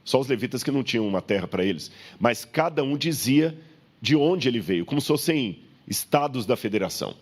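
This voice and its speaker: A man with a Brazilian accent speaks at a medium pitch, teaching scripture and history as an expository sermon. His delivery is explanatory and didactic. He often turns to his listeners with rhetorical questions and small checks for understanding. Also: animated, a little fast. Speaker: preacher teaching Bible history. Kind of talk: expository sermon lecture to a congregation.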